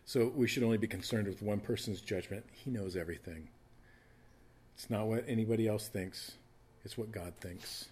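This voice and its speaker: A man's voice: lowish voice, moderate pace, a little mellow, breathy edge. A man in his fifties preaching a casual, conversational sermon, often restarting and repeating words. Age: 50s. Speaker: pastor.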